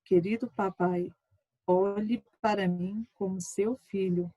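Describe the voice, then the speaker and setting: Nervous young boy, read by a woman; soft, plain, mid pitch. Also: steady tone, slow, no room sound, muffled recording. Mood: earnest.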